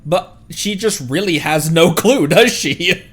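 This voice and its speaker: A man's voice: sits high, expressive, slow. A man giving casual live stream commentary on a game, musing in a slangy way with some mild swearing. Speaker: streamer reacting to game voice lines. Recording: faint music behind.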